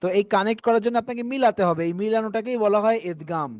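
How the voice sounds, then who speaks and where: A man teaching Quran reading. He spells out letters and vowel marks slowly, then stretches the words into drawn-out chanting for his class to repeat. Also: high-pitched, dry recording, studio quality. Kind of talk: spelling out and drilling recitation.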